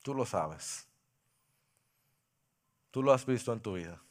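A male pastor preaching a sermon into a microphone, impassioned, swinging from loud cries to hushed pleading. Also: fairly low pitch, animated, slow.

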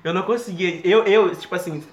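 Fast-talking laughing young man, roomy sound. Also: sits high. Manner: animated, laughs often, acts out voices in anecdotes. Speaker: podcast co-host. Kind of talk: casual storytelling chat. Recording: roomy echo.

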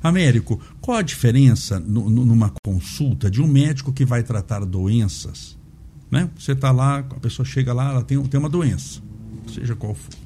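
A man's voice: mid-range voice, lively intonation, normal speed, mellow, slight background noise. A man with a Brazilian accent hosting a podcast in a conversational interview style. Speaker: podcast host.

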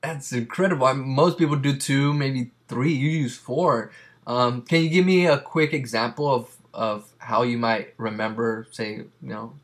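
A man's voice: medium pitch, steady tone, a little slow. A man whose first language is Spanish, hosting a casual interview and talking with many fillers and restarts. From Mexican family. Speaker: podcast host.

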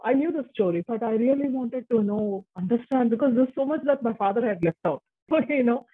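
A woman's voice: a little high, animated, fairly quick, breathy edge. A woman in her forties whose first language is Tamil, talking casually as an interview guest, chatty with frequent restarts. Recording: muffled phone-like line.

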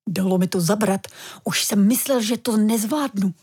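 A woman's voice: a little high, husky. A woman voicing a cheerful, enthusiastic grandfather in a children's storybook reading. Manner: warm and enthusiastic. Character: cheerful grandfather, older man, tinkerer.

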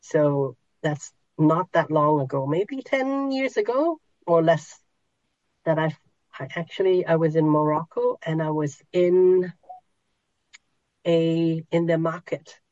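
A middle-aged woman teaches a small group at a very slow, unhurried pace, often pausing and restarting as she searches for words. Her voice sits dry and close, with no room around it, on a somewhat dull, muffled recording. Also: deep voice, lively intonation, darkish tone, no room sound. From Hong Kong. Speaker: podcast host and spiritual teacher.

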